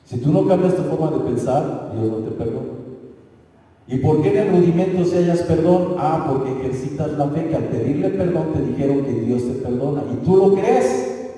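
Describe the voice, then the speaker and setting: Pastor guy preaching, dark mellow voice, talks to the crowd w/ lots of questions, far off mic in a big echoey room. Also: on the high side, expressive, moderate pace. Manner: conversational preaching with rhetorical questions. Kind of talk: sermon. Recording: echoey church hall from far off.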